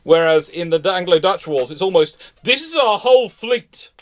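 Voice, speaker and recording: A man with a high voice and lively intonation hosts a live, unscripted Q&A about naval history. Speaking at a moderate pace, he rambles and often breaks off to restart his phrases partway through a thought.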